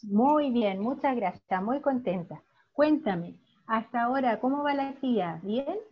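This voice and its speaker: A Chilean woman teaches children over a video call, her voice slightly high with a husky edge. She praises each answer warmly and explains things patiently. The audio is dull and lo-fi. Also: lively intonation, measured pace. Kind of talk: online class teaching.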